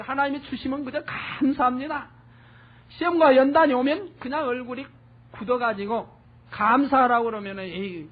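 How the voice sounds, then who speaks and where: High-voiced preacher on tinny audio. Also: male voice. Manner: earnest preaching, rhetorical questions to the congregation. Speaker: pastor. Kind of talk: expository sermon.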